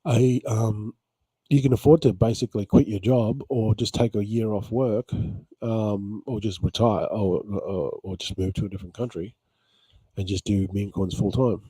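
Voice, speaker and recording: Mumbling low-voiced man, husky and dark. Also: steady tone, normal speed, no echo, rough recording. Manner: rambling, repeats words, many ums. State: tired after a late night. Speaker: crypto vlogger. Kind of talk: casual talk to camera.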